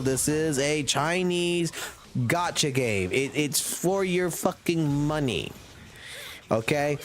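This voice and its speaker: A man in his thirties ranting profanely and emphatically on a casual gaming livestream, talking into a desk mic at a home streaming setup. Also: a little high. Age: 30s.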